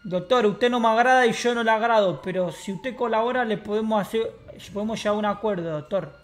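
A man with an Argentine accent, streaming in-character game role-play. His voice sits high, and his talk is brash, mocking and swaggering. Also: brisk. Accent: Argentine Spanish.

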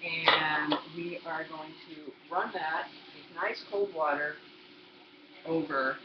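A woman's voice: sits low, steady tone, slow. A woman in her sixties giving a chatty home cooking demonstration in her kitchen, explaining each step to the viewer. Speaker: cooking instructor. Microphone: laptop built-in mic. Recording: roomy, dull lo-fi laptop sound with background noise.

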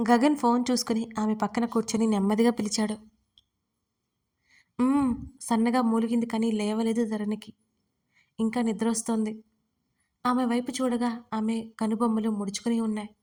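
A woman reading a romantic audio story in a steady storytelling way. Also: a little high, fairly quick. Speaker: story narrator. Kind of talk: scripted audio story narration.

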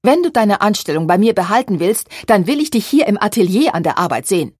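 A woman voicing a strict middle-aged shop owner who is quick to anger, in an audiobook, with a breathy voice. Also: fairly low pitch, darkish tone, no echo, clean studio sound. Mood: stern. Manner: stern, indignant.

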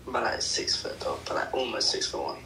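A man's voice: medium pitch, animated, brisk, gravelly, sharp tone, reverberant, slight background noise. A nineteen-year-old man with a London accent, chatting on a video call in a laid-back, mumbling way. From England. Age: teens. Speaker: video chat stranger.

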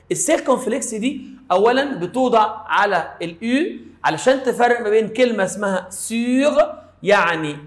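High-voiced Egyptian man teaching French. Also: reverberant. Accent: Egyptian Arabic. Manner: playful, explains slowly with little stories. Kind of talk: casual video lesson.

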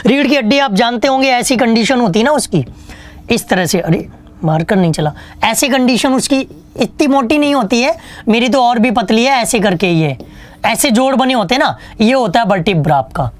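A man's voice: very high voice, expressive, normal speed. A man teaching an online exam-prep English lesson, chatty and joking, asking questions and answering them himself. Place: online class studio with a whiteboard.

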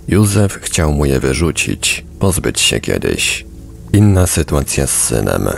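Very deep, gravelly male narrator. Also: a little mellow, slight background noise. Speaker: audiobook reader on a radio podcast. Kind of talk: scripted narration, book reading.

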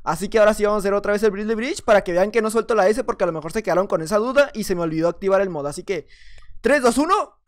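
A man's voice: sits high, rapid-fire. Mexican man, gaming creator, talks through his own play in a loose, chatty way, laughs at himself. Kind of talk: casual gameplay commentary.

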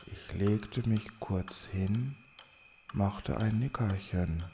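Very low, creaky sleepy slacker creature. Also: female voice, extremely slow, warm tone, slight background noise, full character voice. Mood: sleepy, indifferent. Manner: drawling, bored, indifferent. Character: lazy, sleepy, indifferent nap-loving little creature. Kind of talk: children's audio drama acting.

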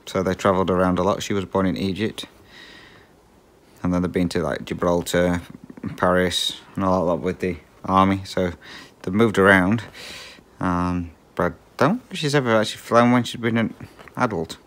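A middle-aged Englishman whose speech carries a faint Australian twang talks in a very low voice. He rambles casually while stitching, restarting sentences, filling pauses with ums and chuckling often. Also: a bit bright. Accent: English with a slight Australian twang. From England. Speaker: cross-stitch vlogger.

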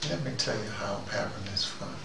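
A man hosting an informal monologue, telling anecdotes in a halting, digressive way and acting out both sides of exchanges. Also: on the low side, vocal fry. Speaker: host of a recurring spoken dispatch. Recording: noisy, roomy recording, distant from mic.

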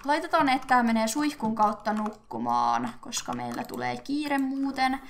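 Young woman, gaming commentary, raised pitch, very animated, thinks aloud, excitable. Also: a little hiss or hum. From Finland. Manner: chatty, thinks aloud with filler sounds, bursts of excitement. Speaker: gaming YouTuber. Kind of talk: casual let's-play commentary.

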